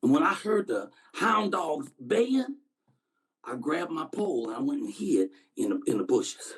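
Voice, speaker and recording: Man performing a haunted storyteller, halting and swinging in pitch. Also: big pitch swings. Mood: haunted, grave. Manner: halting, stammering, repeats words. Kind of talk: dramatic stage monologue.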